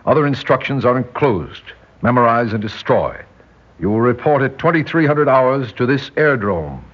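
A man's voice: medium pitch, animated, moderate pace, close to an everyday voice. An actor playing a stern, commanding male spy instructor who speaks in a curt, formal, clipped way, in a 1960s radio drama. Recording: dull lo-fi old radio recording.

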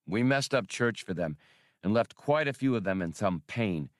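A man's voice: lowish voice, animated, moderate pace, no room sound, studio quality, natural voice. A man voicing a brash, decisive spaceship captain in an audiobook, terse and commanding with a wry edge. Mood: grim, commanding. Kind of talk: audiobook character voice.

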